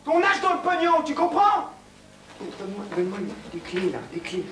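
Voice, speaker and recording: A man's voice: very high voice, very animated, moderate pace, fairly bright tone, full character voice. An actor playing a volatile young man who flares up and swears. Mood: defiant. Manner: explosive, swearing. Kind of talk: film acting. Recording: roomy film sound, distant mic, noisy.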